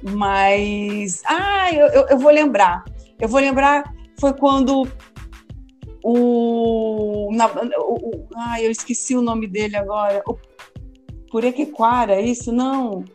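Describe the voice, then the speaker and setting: A woman's voice: a little high, slow pace, darkish tone, soft background music. A woman, a teacher and former radio host, answering interview questions in a casual, hesitant way, often repeating words. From Amazonas, Brazil.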